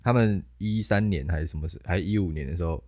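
A man's voice: sits low, fast talker, darkish tone, no echo, clean studio sound. A man with a Taiwanese accent chats casually and jokingly as a podcast co-host, using crude slang and speaking through a face mask. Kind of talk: casual chat.

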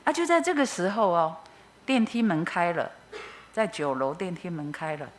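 A middle-aged woman with a Taiwanese Mandarin accent, giving a personal testimony at church as an expressive storyteller. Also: fairly low pitch, normal speed, slight background noise.

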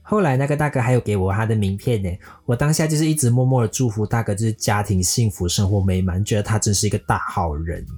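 A man telling a scripted personal story in a lively way, dropping English words into his sentences. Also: fairly low pitch, fast, few pauses, breathy edge. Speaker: storyteller recounting a motorbike trip. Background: faint guitar music.

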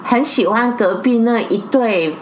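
A woman with a Taiwanese accent hosting a casual chat, telling stories in an expressive, emphatic way. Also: fairly high pitch, unhurried, slight background noise, poor audio. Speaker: podcast host. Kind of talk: casual chat, animated storytelling.

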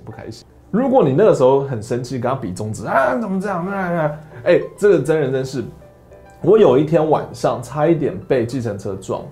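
This is a young man hosting a casual solo podcast, with a Taiwanese Mandarin accent. He spins his stories animatedly and voices other people's words in raised, high tones.

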